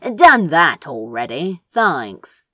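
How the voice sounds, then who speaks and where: A defiant, sardonic sorcerer in a fantasy audiobook, played by a woman reader. He is flippant and drawls his dry sarcasm, unhurried, with a lively, mobile pitch. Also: no room sound, exaggerated voice. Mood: insolent. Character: insolent, sardonic male sorcerer, defiant and weary.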